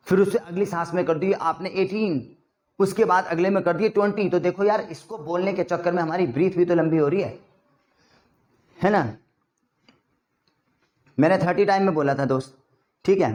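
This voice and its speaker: Young man, Hindi accent, classroom English teacher, conversational and a touch high-pitched. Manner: chatty, addresses class with rhetorical checks. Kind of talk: classroom spoken-English lesson.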